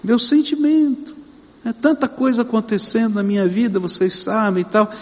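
Middle-aged Brazilian man, high voice, preaching from the pulpit with emphatic, drawn-out stresses, church reverb. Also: steady tone. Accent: Brazilian Portuguese. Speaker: pastor. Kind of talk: sermon. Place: church sanctuary. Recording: long reverb of a large church.

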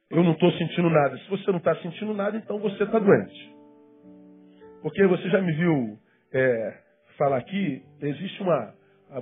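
A pastor preaches with passion, his voice riding high and pushing into sharp, emphatic questions before sinking to near whispers. The sound is thin and tinny like a phone line. Soft instrumental music hangs faintly behind him. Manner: impassioned, rising to high emphatic questions then dropping to hushed asides. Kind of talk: sermon.

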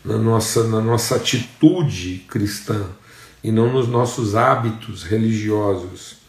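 Brazilian pastor guy preaching slow, repeats himself a lot, echoey room. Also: darkish tone. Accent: Brazilian Portuguese. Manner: slow, repetitive preaching with emphatic pitch rises. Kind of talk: sermon.

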